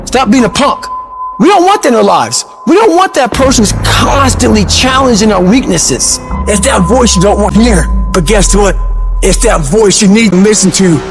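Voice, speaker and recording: A gravelly guy heard in a gym motivation video, talking bro-to-bro over music. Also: sits high, animated, normal speed. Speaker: motivational speaker. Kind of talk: informal motivational talk.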